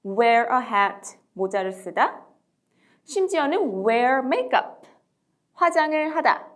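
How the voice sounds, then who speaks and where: Slow, lively Korean-speaking woman teacher. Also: fairly high pitch. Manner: lively, drawn-out modelling of English phrases. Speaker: English teacher for parents. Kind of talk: slow, deliberate language lesson.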